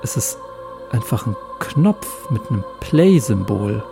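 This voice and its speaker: A man's voice: fairly low pitch, very animated, measured pace, vocal fry. A man hosting a comedy podcast, improvising a sketch in exclamatory, slangy speech over music. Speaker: podcast host. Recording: music behind the voice.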